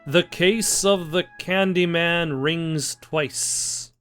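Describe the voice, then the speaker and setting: Higher-voiced man casually commenting on a game. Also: very slow, fairly bright tone, clean tone, soft background music. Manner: dry joking, musing aloud. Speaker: let's play host.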